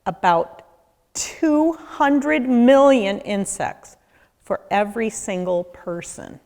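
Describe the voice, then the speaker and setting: A woman reading a children's book aloud, expressively and deliberately, as a nature educator speaking to young listeners. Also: medium pitch, a little mellow. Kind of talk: children's read-aloud narration. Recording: echoey, reverberant room.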